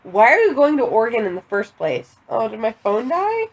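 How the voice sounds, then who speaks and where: Giggly, breathy woman host. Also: a little high, sing-song, normal speed. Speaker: podcast host. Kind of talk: casual chat.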